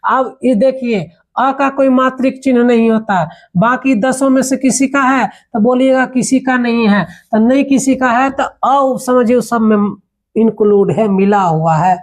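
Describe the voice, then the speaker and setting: A woman teaching a grammar lesson, explaining with rhetorical questions and homely examples, then reciting letters slowly and carefully. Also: a little high, a little mellow.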